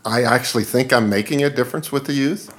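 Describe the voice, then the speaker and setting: A man's voice: mid-range voice, quick pace. A man in his seventies, a guest in an interview, speaking in an earnest, reflective way and laughing easily. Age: 70s. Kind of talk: interview conversation.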